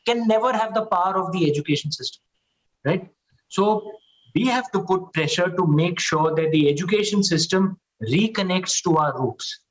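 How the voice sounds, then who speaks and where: On a panel discussion, a guest from Uttar Pradesh with an Indian English accent argues earnestly and persuasively. His high-sitting voice comes through with a lo-fi sound, and he hesitates a lot, with frequent "uh"s and "right?" checks.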